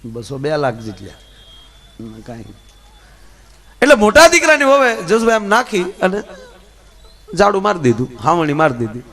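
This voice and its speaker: A man tells village stories on stage. His voice sits high and leaps up and down with animated expression. He moves between loud narration and quiet asides. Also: moderate pace, pauses often. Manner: lively, swings between loud and soft asides. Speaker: folk storyteller and comedian. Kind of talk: live folk storytelling on stage.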